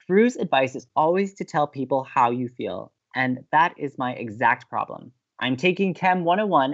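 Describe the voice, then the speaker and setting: Excitable, teasing young man, an actor as radio co-host. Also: mid-range voice, dull audio, natural voice. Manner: excitable, teasing, dramatic emphasis. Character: gleeful, teasing young male campus radio co-host, romantic. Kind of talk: bantering audio drama dialogue.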